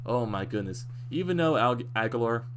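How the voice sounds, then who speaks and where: A young man giving a casual, animated recap of a football game as a fan, his voice slightly worn and going at times. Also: mid-range voice, moderate pace, a little hiss or hum. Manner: excited, animated fan recap with frequent restarts. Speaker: sports fan commentator.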